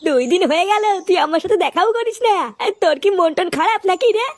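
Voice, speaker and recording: A woman voicing an excitable, anxious villager in a comedy cartoon, with an agitated, pleading delivery. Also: extremely high pitch, quick pace, dry recording.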